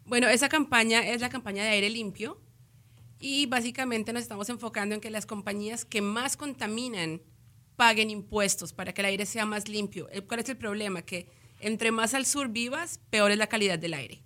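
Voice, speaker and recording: A woman explaining a clean-air campaign in a clear, direct way. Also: on the high side, normal speed, bright, forceful tone. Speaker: campaign advocate.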